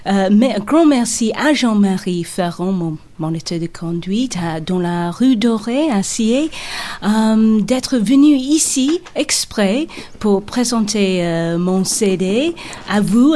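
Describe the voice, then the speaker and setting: A young woman from England, a native English speaker, speaking French with an English accent in a radio interview, a little halting as she searches for words. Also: mid-range voice, dark tone. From England, Brighton on the south coast. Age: young adult. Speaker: guest, singer and musician.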